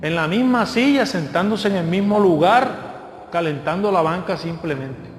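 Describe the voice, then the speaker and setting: A male guest preacher, delivering a lively sermon and acting out the voices of people in his stories. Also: sits high, unhurried, faint music behind. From Colombia. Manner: lively storytelling, acts out voices of others. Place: church hall. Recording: echoey church hall with long reverb.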